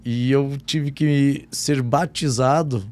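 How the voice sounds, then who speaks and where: A man's voice: medium pitch, fairly even intonation, slow pace, darkish tone. A man who was born in Jordan and grew up in southern Brazil, hosting a podcast interview as a law professor and chatting casually. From born in Jordan, raised in Rio Grande do Sul.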